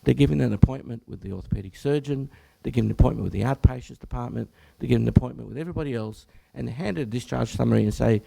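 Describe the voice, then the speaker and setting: An Australian man, a general practitioner, presenting to health professionals at an information session, with a croaky, hoarse voice; he clears his throat often and breaks off to restart phrases. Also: mid-range voice, racing, hardly any pauses, warm tone, poor audio. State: hoarse, croaky from much talking.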